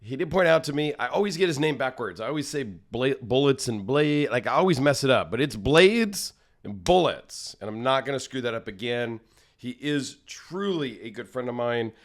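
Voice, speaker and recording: Tired, slightly raspy casual man. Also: medium pitch, lively intonation, normal speed. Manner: rambling, self-deprecating, chatty. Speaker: knife channel host. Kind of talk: casual solo vlog.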